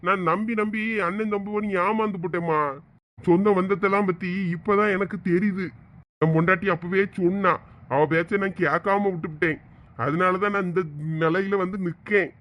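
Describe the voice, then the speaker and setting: A man's voice: high voice, fairly even intonation, moderate pace, a bit bright. A man playing a ruined middle-aged village man who laments losing his property. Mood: lamenting. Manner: tearful, lamenting. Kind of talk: village comedy skit.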